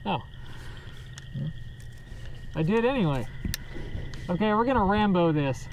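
High-voiced man talking through a gas mask. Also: expressive, a little slow, slight background noise, poor audio. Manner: joking, laughs often at himself. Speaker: host shooting at a range. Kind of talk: casual chat while shooting. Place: outdoor shooting range.

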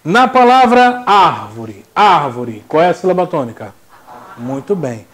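The voice is a young adult man's, high-pitched and moderately paced. He's teaching a classroom lecture, playful and animated, slipping into little acted-out voices.

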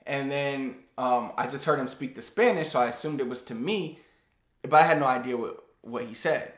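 A man in his thirties giving a casual, animated lesson to the camera in a small room. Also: mid-range voice, normal speed, echoey room. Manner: animated, gestures a lot while talking. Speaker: language teacher. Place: small plain room indoors.

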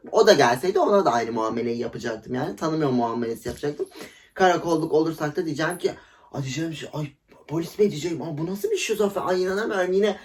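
A young woman telling a story in a casual vlog, gossipy and dramatic, acting out quotes with laughter. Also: sits low. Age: young adult. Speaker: vlogger.

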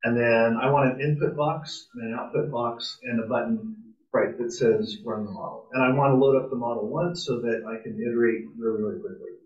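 At a club meetup, a man runs an informal live coding tutorial, casual and enthusiastic, thinking aloud while he types. His mid-range voice moves fairly quickly, and the recording sounds distant, roomy and muffled like a meeting room.

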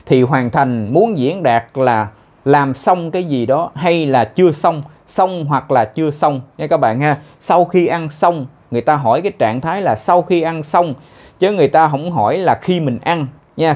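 A young man teaching spoken English in a casual way, explaining phrases and repeating words slowly so learners can copy them. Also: a little high, darkish tone.

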